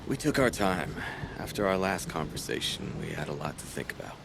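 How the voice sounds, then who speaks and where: An actor playing a jovial tribal hunter in a video game, with a dry, playful grandeur. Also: male voice, low voice, expressive, brisk, vocal fry, background noise. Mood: wry, relaxed.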